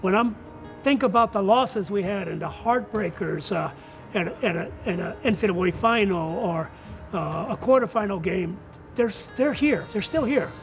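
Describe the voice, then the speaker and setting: Older male coach in an interview: high voice with heavy fry, earnest and deliberate. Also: expressive, soft background music. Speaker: retiring college soccer coach. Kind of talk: reflective interview answers.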